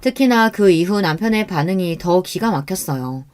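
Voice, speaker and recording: A woman narrating a scripted first-person life story in a steady, earnest way. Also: on the low side, moderate pace.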